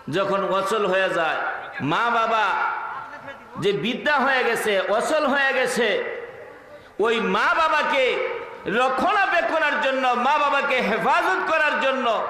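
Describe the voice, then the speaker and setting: Preacher, very high and piercing, chants verses, booming through a reverberant PA. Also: male voice, lively intonation, takes it slowly, pauses often. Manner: fervent, chants verses in a sung tone, fires rhetorical questions at the crowd. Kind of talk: sermon at an open-air religious gathering. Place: outdoor gathering under a marquee. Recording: echoey loudspeaker sound with long reverb.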